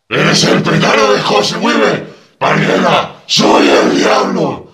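With a slight echo, a man uses a raspy, put-on character voice at a fairly slow pace. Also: fairly low pitch for a man. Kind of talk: comic overacting. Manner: shouting, insulting, bossy.

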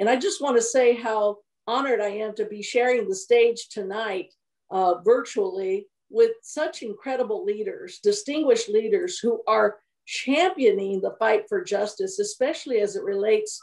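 A woman's voice with very wide pitch swings, at a moderate pace, over a quiet background. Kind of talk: formal welcome remarks. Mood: earnest, grateful. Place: home room. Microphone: webcam.

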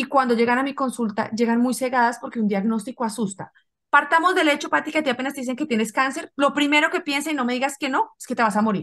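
A woman talks at a very fast pace in a high pitch. Behind her the background is quiet. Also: ordinary pitch variation. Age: 30s. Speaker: health coach and author; health coach. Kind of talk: interview. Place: home room. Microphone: video call.

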